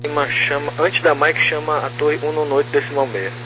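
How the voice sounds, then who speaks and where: A man's voice: on the high side, little pitch movement, a little fast, over music. A man working as an air traffic controller, giving clipped procedural instructions over a walkie-talkie style radio. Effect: over walkie-talkie style two-way radio. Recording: noisy two-way radio, loud hum and static.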